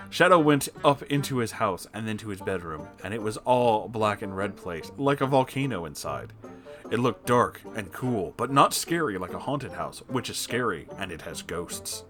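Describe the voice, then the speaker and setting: A man's voice: fairly low pitch, a bit bright. A man reading a story aloud as a comedic host, theatrical and emphatic, with music behind him. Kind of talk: comedic dramatic story narration.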